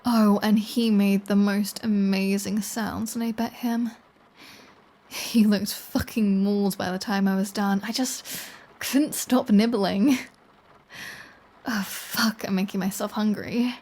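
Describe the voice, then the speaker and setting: A woman's voice: mid-range voice, steady tone, darkish tone. A woman playing a flirty, taunting, predatory vampire in an intimate audio roleplay, with a teasing, sardonic delivery. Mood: gloating, hungry. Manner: slow, teasing, sardonic, casually profane.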